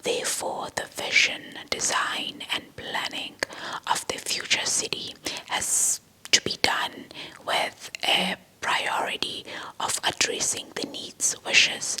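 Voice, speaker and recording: Whispering ASMR woman, slow and crisp. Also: bright, forceful tone, rough recording. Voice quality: breathy, fully unvoiced whisper. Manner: slow, deliberate, often repeating words and phrases. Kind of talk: whispered ASMR lecture, reading informational text.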